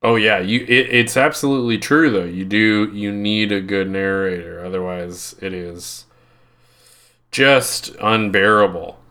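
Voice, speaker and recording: A man's voice: lowish voice, measured pace. A young man co-hosting a podcast with his mother, chatting playfully and joking. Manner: playful, jokey, animated asides. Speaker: podcast co-host. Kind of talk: casual chat.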